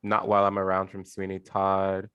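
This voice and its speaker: A man's voice: sits low, moderate pace, clean tone, no echo. A man taking an online voice lesson, talking loosely about his singing with many "like"s over a video call. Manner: relaxed, rambling with many "like"s, laughs at himself. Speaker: voice student. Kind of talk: casual chat with a teacher.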